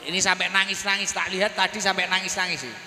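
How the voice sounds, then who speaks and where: A man's voice: sits high, steady tone, quick pace, sharp tone. A man, a preacher who chats with and teases people in the crowd of a religious gathering, speaking into a handheld mic. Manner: chatty, teasing, questions people in the crowd. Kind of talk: lively crowd interaction and sholawat chanting. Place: large venue with a congregation. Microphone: handheld microphone. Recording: echoey hall with faint noise.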